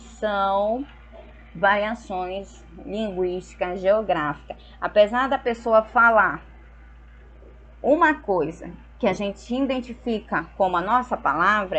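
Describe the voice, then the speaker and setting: A young woman from Brazil, teaching a school lesson and explaining slowly and patiently, often checking in with her students. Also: mid-range voice, a bit bright, dull audio. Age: young adult.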